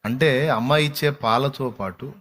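A man's voice: mid-range voice, a little slow, fairly bright tone. A male pastor preaching an impassioned sermon, asking his congregation questions.

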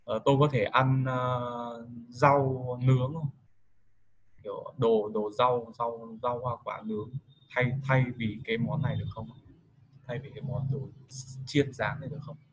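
A man giving a casual vocabulary lesson, explaining slowly and patiently with many fillers. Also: mid-range voice, little pitch movement, dull audio, slight background noise. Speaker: English tutor.

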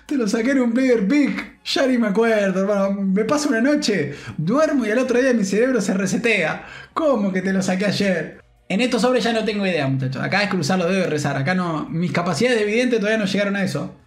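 A man's voice: high voice, a little fast, echoey room, soft background music. Rioplatense guy hyped opening game packs. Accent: Rioplatense Spanish. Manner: animated, slangy, jokey, shouts with joy. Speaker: gaming streamer. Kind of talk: excited pack-opening commentary.

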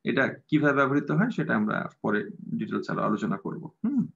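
A man's voice: medium pitch, big pitch swings, quick pace, creaky, fairly bright tone. A man teaching an English grammar class, patient and repetitive, with many fillers. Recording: dull lo-fi sound.

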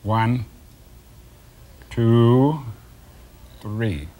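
On a studio kitchen set, an older man hosting a science show patiently takes a child through an experiment step by step, teasing gently. His medium-pitched voice has lively intonation, but he speaks extremely slowly.

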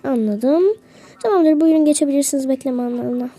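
A woman voicing a businesslike female check-in agent asking brisk questions. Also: high voice, mellow, faint music behind.

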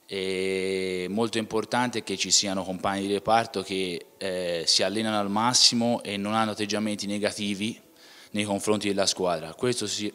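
Low-voiced young footballer, reverby room. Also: male voice, a bit bright. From Tuscany, Italy. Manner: plain, with frequent restarts and filler "ecco". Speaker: footballer, interview guest. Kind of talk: casual interview answers. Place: indoor club museum room. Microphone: handheld mic.

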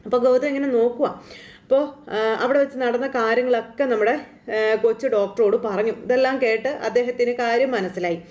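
Casting: a brisk, fairly high-voiced woman doing a loose, chatty serial recap in an echoey room. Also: darkish tone. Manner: chatty, loose storytelling with many fillers and tag words. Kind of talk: casual retelling of a TV serial episode.

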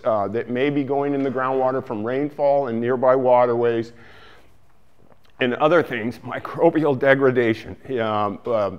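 Older man, smooth clear voice, slightly muffled recording, plain explaining, farm meeting hall. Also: medium pitch. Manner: plain explaining, some restarts. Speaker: coalition speaker. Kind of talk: presentation to growers. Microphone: far camera, no mic seen.

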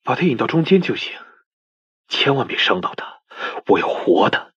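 A man's voice: medium pitch, very animated, moderate pace, fairly bright tone, slightly rough, no echo, exaggerated voice. A man voicing a cold, curt male crime boss giving orders in an audiobook, with dull, muffled sound. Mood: cold, insistent.

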